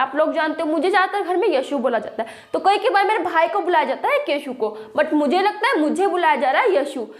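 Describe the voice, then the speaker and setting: A woman's voice: very high-pitched, fairly bright tone, roomy sound. A young woman teaching a casual grammar lesson, explaining with rhetorical questions and checking in often.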